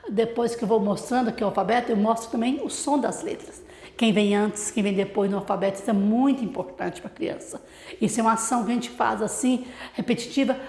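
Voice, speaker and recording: Brief: Brazilian woman teacher, higher voice, talks teachers through a method with rhetorical questions, echoey room. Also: a little mellow. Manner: explanatory, with rhetorical questions to the audience. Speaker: literacy teacher.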